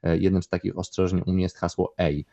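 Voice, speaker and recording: A man's voice: low-pitched, completely flat delivery, fast, vocal fry, dark tone, dull audio. A man, a dog trainer, explaining at length in a podcast conversation, with many fillers and restarts.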